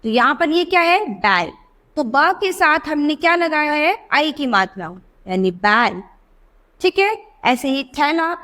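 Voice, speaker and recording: A woman teaching young children a reading lesson. She asks questions and answers them herself, and she stretches out words slowly to show the sounds. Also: high-pitched, very animated, sharp tone.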